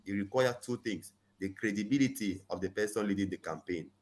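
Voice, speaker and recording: A man as guest in a conversational interview, earnest, often saying "you know", rising in pitch when he stresses a point. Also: brisk, slight background noise.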